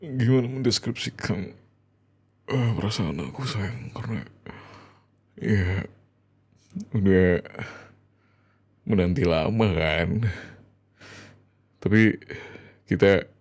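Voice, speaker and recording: A man with an Indonesian accent playing a loving, emotional young husband in an intimate ASMR roleplay, speaking tenderly and haltingly. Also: low-pitched, full character voice. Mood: moved, tender. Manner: tender, halting, soft chuckles and whispers. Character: loving young husband, overjoyed about becoming a father.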